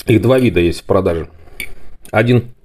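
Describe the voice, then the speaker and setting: A man's voice: low voice, normal speed, mellow, a little hiss or hum. A man vlogging casually through a meal, talking offhandedly with his mouth full. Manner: offhand, grumbling. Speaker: mukbang vlogger. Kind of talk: casual talk while eating.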